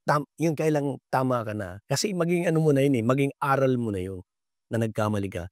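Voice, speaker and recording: An older man, a veteran basketball referee, answering interview questions in a polite, halting way with many pauses. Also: mid-range voice, no echo, studio quality.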